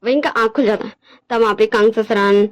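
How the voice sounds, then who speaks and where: A woman's voice: fairly high pitch, fairly quick. A woman casually narrating her own fan fiction story, chatty and checking in with her listeners.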